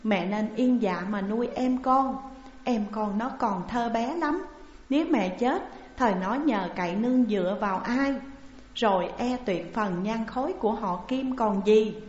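A woman voicing a frightened, tearful young noble daughter pleading with her mother, raised and higher, in a muffled, echoing recording. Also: measured pace, darkish tone, close to an everyday voice. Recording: muffled, roomy with long reverb.

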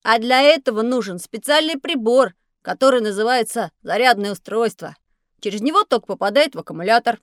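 A woman's voice: fairly high pitch, animated, dry recording, clean studio sound, natural voice. Woman voicing eager schoolboy Petya. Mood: explaining. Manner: inquisitive, quick to explain what he knows. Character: curious young schoolboy Petya, eager know-it-all. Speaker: child character asking questions. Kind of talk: studio audiobook acting for children. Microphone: studio microphone.

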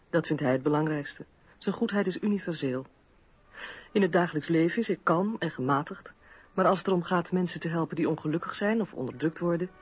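A woman's voice: sits low, darkish tone, husky, dull audio. A woman playing an admiring eighteenth-century French salon hostess, reading out a portrait in an articulate way for radio drama.

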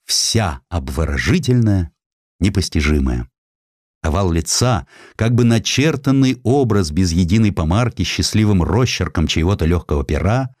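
A man with a deep voice narrates a literary piece of history. His delivery swings widely in pitch and is theatrical, shaped by dramatic pauses. The sound is dry and close, as from a studio microphone. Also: a little mellow, no echo. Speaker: audiobook narrator.

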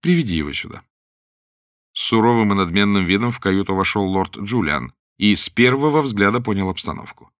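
A man reading a story aloud as narrator in a steady, expressive manner. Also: on the low side, brisk, hardly any pauses, clean tone, no room sound, clean studio sound. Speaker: audiobook narrator. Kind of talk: scripted narration.

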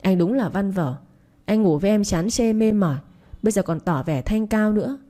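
A woman's voice: medium pitch, moderate pace, mellow, natural voice. Woman voicing a scheming mocking stepmother. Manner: mocking, wheedling.

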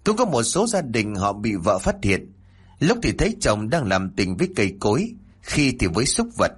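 A man with a Southern Vietnamese accent narrating a village horror story in an expressive storytelling manner. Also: fairly low pitch, moderate pace, husky.

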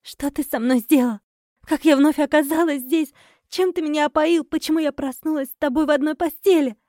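A woman voicing a furious young woman, a half-werewolf, who shouts accusations and is close to tears. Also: sits high, steady tone, a little fast, no echo, pitched above the performer's own voice, lightly acted. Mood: angry. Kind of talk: audiobook character voice.

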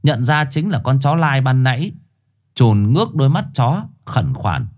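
A man narrating a ghost story in a dramatic, animated way. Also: medium pitch, measured pace.

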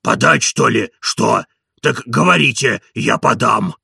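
A stubborn old manservant put on by a male narrator, grumbling and evasive in a deeply gravelly, husky voice. The tone is bright and hard-edged. He sounds set back from the mic in a dry recording. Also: slow pace, dry recording, heavily acted. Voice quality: gravelly, hoarse.

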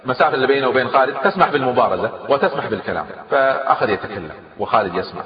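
A fast-talking man recounts history with emphatic, lively delivery, often pausing to comment on the tale. His voice rings in a long hall reverb, and the recording sounds dull and lo-fi. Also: medium pitch, crowd noise. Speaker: storyteller. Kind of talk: animated historical storytelling.

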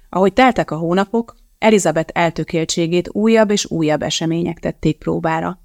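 An audiobook narrator reading a novel in a measured, even storytelling manner. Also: medium pitch, vocal fry, no echo, clean studio sound. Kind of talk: scripted narration.

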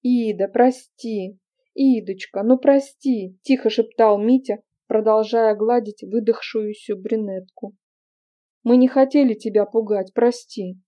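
A woman voicing a gentle young man, a twin, who speaks softly in a coaxing, apologetic way, in an audiobook. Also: on the high side, fairly even intonation, a little slow, close to an everyday voice. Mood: pleading. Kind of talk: audiobook character reading. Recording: dull lo-fi recording.

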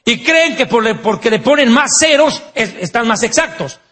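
A man's voice: very high-pitched, lively intonation, moderate pace, a bit bright. A man preaching a sermon in Spanish-language style, mixing teaching with anecdotes and jokes, asking rhetorical questions and acting out quoted voices.

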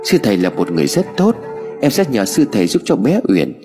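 A man voicing a gentle little orphan girl in an audio story, with a childlike, raised voice. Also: fairly low pitch, very animated, a little fast. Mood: cheerful. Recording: hall reverb with music bed.

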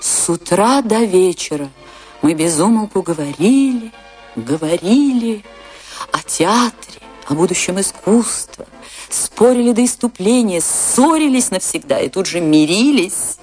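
An actress playing a passionate dancer in a radio play, with a theatrical, tender and measured delivery. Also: female voice, mid-range voice, animated, a little mellow, close to an everyday voice. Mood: reminiscing. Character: Isadora, passionate woman dancer recalling her great love. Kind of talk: radio play narration and dialogue. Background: music behind the voice.

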